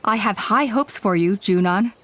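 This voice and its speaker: A woman voicing a commanding, diplomatic tribal elder in a video game, formal and deliberate. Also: mid-range voice, a bit bright, natural voice. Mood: measured, persuasive.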